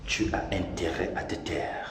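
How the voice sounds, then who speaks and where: A man playing a menacing fugitive in a TV drama, speaking in a hushed, threatening way. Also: deep voice, level tone, a little fast. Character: menacing male fugitive buying silence and protection. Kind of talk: TV drama acting. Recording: echoey room under loud music.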